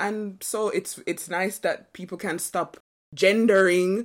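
A woman speaks with a Jamaican accent. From New York. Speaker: podcast co-host. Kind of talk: casual chat.

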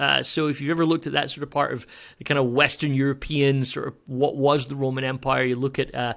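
On a very clean recording with a silent background, a man with a Scottish accent speaks at a fairly quick pace in a fairly high pitch. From Scotland. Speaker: pastor and theologian. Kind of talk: teaching interview.

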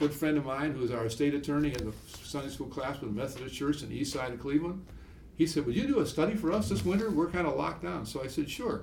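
Over noticeable background noise, a man speaks very fast with lively intonation and a fairly high pitch. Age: 80s. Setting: radio studio interview.

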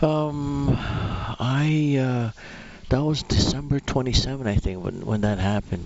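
A man speaking fairly slowly with ordinary pitch variation over noticeable background noise. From Philippines. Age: 60s. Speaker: heart patient and car dealership employee. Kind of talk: radio interview. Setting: hospital broadcast location. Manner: halting.

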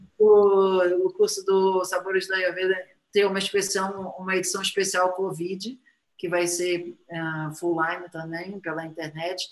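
Medium-pitched, monotone female speech, flat in intonation and fairly slow in pace. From Brazil, Rio de Janeiro. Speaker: Ayurveda teacher and live show host. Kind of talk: casual interview. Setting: live stream on video platforms.

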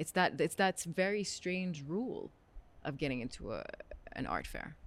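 A woman speaks at a medium pitch with an Arabic accent. Her intonation is lively, with some vocal fry. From Saudi Arabia. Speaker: art curator and co-host. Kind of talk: casual chat. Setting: late-night podcast studio.

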